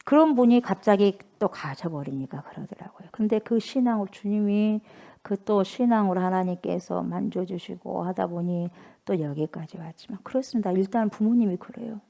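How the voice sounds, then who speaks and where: A woman's voice: medium pitch, normal speed, gravelly, warm tone. A woman pastor preaching a sermon in an emphatic, repetitive, conversational way.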